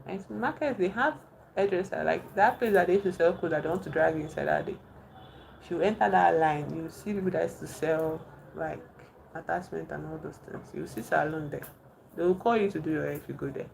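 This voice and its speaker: A young woman with a Nigerian accent talks casually on a home live stream, her voice low and gravelly. She thinks aloud, full of fillers and restarts, with a faint hiss underneath. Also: fairly quick, a little mellow. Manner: chatty, thinks aloud with many fillers and restarts, reads viewers' comments. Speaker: livestream host.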